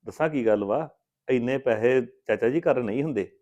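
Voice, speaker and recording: A man playing a smooth-talking deal maker. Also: mid-range voice, brisk, warm tone, dull audio, lightly acted. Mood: persuading. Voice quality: reassuring, persuasive. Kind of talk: Punjabi family drama acting.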